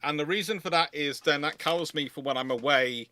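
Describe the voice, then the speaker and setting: A man hosting a casual live question-and-answer session, talking in a halting way and interrupting himself as he goes. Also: fairly high pitch, sharp tone, no echo.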